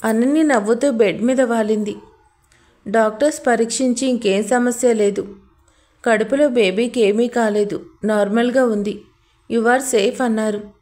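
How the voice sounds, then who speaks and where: A woman's voice: a little high, steady tone, normal speed, a little mellow. A woman narrating a romantic audio story in a scripted, dramatic, emotional way.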